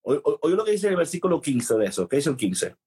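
A man co-hosting a casual Bible discussion, animated and full of restarts, mixing English phrases into his Spanish. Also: on the high side, brisk, husky. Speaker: co-host of a Bible talk show.

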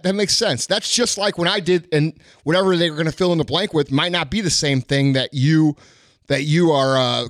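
A man's voice: a little high, dry recording, clean studio sound. A man giving casual motivational business advice as a podcast host, blunt and sweary.

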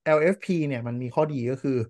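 A man's voice: mid-range voice, steady tone, quick pace, darkish tone. A man hosting a casual tech podcast, talking loosely and jokingly with lots of fillers. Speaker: podcast host.

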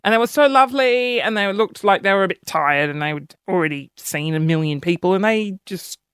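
A man with a high-pitched voice hosting a podcast, telling a story in an animated, self-deprecating way. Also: a little fast, smooth, no room sound, studio quality. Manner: animated, self-deprecating, jumps between high and low tones. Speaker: podcast host. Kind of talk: casual storytelling monologue.

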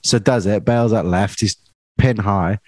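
A man's voice: lowish voice, unhurried, dry recording. A man co-hosting a casual golf podcast, recounting play shot by shot in informal golf commentator fashion. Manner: informal shot-by-shot retelling with frequent 'like'.

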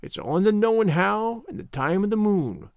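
A man's voice: high-pitched, expressive, normal speed, a little mellow, dry recording, studio quality, voice pushed up. A man doing a leering old crone witch. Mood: knowing. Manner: folksy rustic dialect, leering. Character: scheming old crone witch, cackling, rustic.

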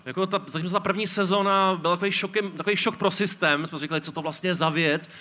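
A man's voice: high voice, steady tone, pushed and bright. A man hosting a live podcast on an outdoor stage, joking and teasing his co-hosts. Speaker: podcast host. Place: outdoor stage before an audience.

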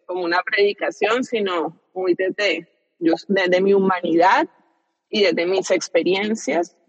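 A woman's voice: on the low side, dry recording, long reverb tail, lo-fi sound. A woman from Colombia with a Caribbean coast accent, a guest in a casual interview, talking reflectively with many fillers and restarts.

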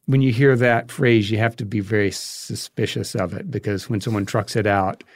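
Low-voiced American man explaining things. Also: fairly even intonation, normal speed, no room sound. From United States. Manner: thoughtful, explains at length. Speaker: filmmaker, podcast guest. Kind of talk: conversational interview, explanatory.

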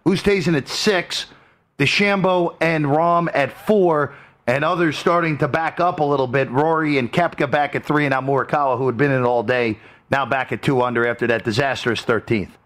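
A man's voice: mid-range voice, normal speed, a bit bright. A man hosting a sports show, giving live updates in the manner of a golf commentator.

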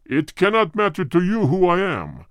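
A male audiobook reader voicing a cold, hard, deep spirit that speaks through a medium in slow, grave sentences. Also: wildly swooping pitch, fairly bright tone, no room sound, clean studio sound, full character voice. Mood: solemn. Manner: slow, grave, measured pronouncements. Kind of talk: audiobook reading.

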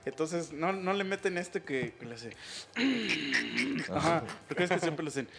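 A man with a Mexican accent talks in a loose, slangy way, laughing often as he goes. His voice sits a touch high and swings up and down freely. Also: expressive, unhurried, vocal fry, crowd noise. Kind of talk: casual chat.

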